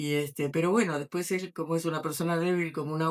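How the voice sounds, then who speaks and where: With an Argentine accent, a woman speaks at a moderate pace in a fairly low pitch, her intonation fairly even. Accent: Argentine, kept after decades in Catalonia. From Argentina. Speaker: novelist. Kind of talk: book presentation interview. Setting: bookstore event with audience. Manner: hesitant, many fillers.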